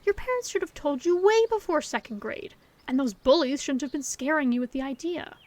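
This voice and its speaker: A woman acting a gentle, hopeful best friend in an audio roleplay, talking to the listener in an earnest, reassuring, conversational way. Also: high voice, expressive, fairly quick. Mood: concerned, comforting. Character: gentle, hopeful female best friend comforting her secret crush. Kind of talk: scripted audio roleplay, intimate one-sided dialogue to the listener.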